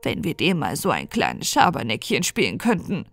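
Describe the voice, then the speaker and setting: A woman voicing a scheming old witch who coaxes and coos in a sing-song way, with soft music behind. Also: wildly swooping pitch, normal speed, gravelly, heavily acted. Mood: wheedling. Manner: coaxing, sing-song cooing, high and loud. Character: scheming old female witch, sly and wheedling.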